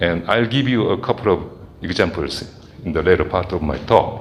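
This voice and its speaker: A man with a Korean accent speaks with a very deep, low pitch, amid noticeable background noise and audible room echo. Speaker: astronomy professor. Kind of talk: lecture. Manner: deliberately slow; hesitant, many fillers.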